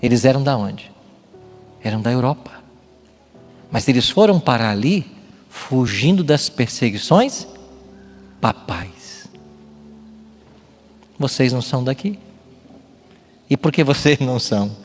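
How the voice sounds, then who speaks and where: A Brazilian pastor preaches in a mid-range voice with big pitch swings, keeping a measured pace and pausing often. His sermon is didactic and emphatic, with frequent rhetorical questions. Music plays behind him in a long hall reverb.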